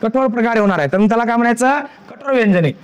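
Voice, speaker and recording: High-voiced man teaching a grammar lesson. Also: clear, resonant tone, highs cut off. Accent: Marathi. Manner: drills by asking questions and answering them himself; spells out sounds slowly one by one.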